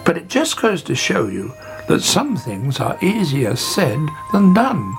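A man's voice: on the high side, huge pitch swings, a little slow, vocal fry, heavily acted. A man doing a wise old father mouse. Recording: music playing behind.

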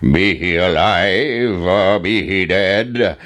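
Man voicing a storybook giant, menacing, drawn-out words, low voice. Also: fairly bright tone, exaggerated voice. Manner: slow, booming, threatening. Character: huge menacing male giant.

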